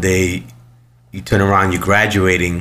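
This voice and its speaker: In a very deep, low voice with a New York accent, a man speaks at a moderate pace with ordinary pitch variation and audible room echo. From New York City. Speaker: war veteran. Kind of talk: interview.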